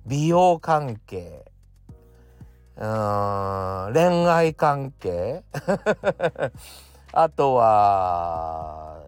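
Guy rambling on his podcast, lowish voice that bounces all over, lots of uh and little laughs. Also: darkish tone. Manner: chatty, many fillers, chuckles often. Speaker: podcast host. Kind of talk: casual solo talk.

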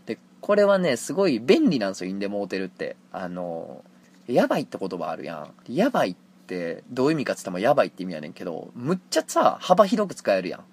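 Animated Kansai man chatting solo. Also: on the low side, quick pace, husky. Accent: Kansai Japanese. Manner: animated, jumps into acted quotes. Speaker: podcast host. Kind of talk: casual solo talk radio.

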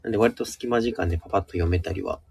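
A man's voice: sits low, very fast, gravelly, darkish tone. A man speaking as a radio guest, introducing a book politely and a little hesitantly, phrase by phrase. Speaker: guest presenting a book segment.

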